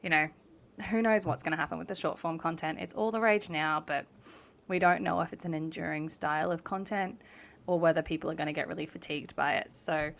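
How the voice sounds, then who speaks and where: A woman's voice: deep voice, steady tone, fairly quick, gravelly, a bit bright. A woman, co-hosting a podcast in a rambling, chatty way and laughing often. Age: late 20s. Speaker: podcast co-host, developmental psychology academic. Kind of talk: casual chat.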